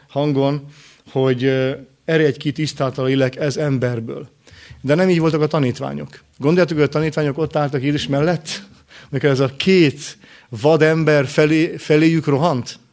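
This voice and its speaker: A man preaching a sermon in short, earnest phrases with rhetorical questions and pauses. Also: fairly high pitch, darkish tone.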